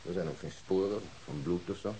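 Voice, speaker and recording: An actor plays a patient, polite police inspector in a radio drama. His voice is low and mellow, his questioning calm and measured. There is a faint hiss on the recording. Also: natural voice, poor audio. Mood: patient, sceptical.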